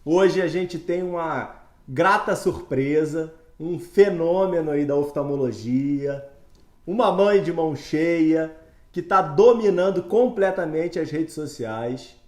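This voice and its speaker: A man's voice: a little high, takes it slowly, roomy sound. A Brazilian man who hosts an interview podcast as a doctor, chatty and enthusiastic, full of fillers. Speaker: host, ophthalmologist.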